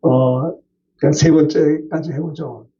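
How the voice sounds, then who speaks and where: High-voiced older male pastor preaching. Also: steady tone, slow pace, dark tone, far from the mic, dull audio. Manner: emphatic preaching, rhetorical questions to the congregation. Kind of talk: sermon.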